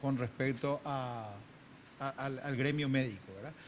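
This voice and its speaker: Somewhat breathy, a man with a fairly high pitch speaks at a fairly slow pace. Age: 60s. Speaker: government minister. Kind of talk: political interview. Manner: halting, repeats words.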